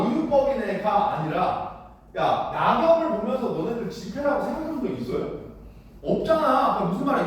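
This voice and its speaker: Guy teacher lecturing high schoolers, really high voice, keeps going "got it?", sounds far off from the mic. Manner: keeps checking understanding with rhetorical questions; blunt, casual, with mild slang. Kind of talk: classroom lecture. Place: lecture room. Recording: very echoey room, far from the mic, faint noise.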